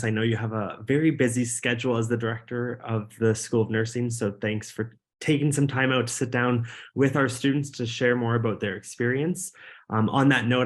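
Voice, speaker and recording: A man hosting a university webinar, introducing the panel in an upbeat, well-prepared way. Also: medium pitch. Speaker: webinar host. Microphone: video call.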